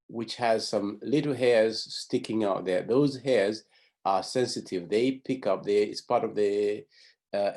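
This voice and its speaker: Low, mellow-voiced man teaching a class. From Zambia. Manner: explanatory, repeats and restarts phrases. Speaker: pathfinder honour instructor. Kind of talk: teaching a class over video.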